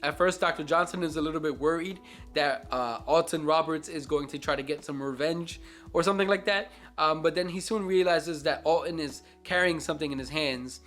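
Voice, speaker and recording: A man's voice: a little high, fairly quick, fairly bright tone, soft background music. Earnest man reviewing a Christian book. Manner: earnest, reflective, preacherly.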